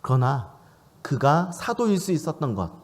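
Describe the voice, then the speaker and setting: Lively high-voiced male preacher. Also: normal speed. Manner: preaching with lively rises and falls, asking the listeners questions. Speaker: pastor. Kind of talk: sermon. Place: church.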